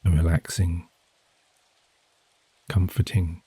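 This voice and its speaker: A soft-spoken man guiding a sleep hypnosis session in a hushed, soothing, measured way with gently drawn-out phrases. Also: deep voice, level tone, breathy edge, no echo. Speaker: hypnosis and meditation guide. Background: gentle rain sounds.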